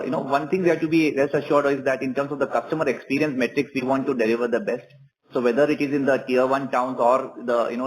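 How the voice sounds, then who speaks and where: A man with an Indian accent answering questions as a company executive on an earnings call, in measured corporate wording. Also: mid-range voice, slight background noise, poor audio.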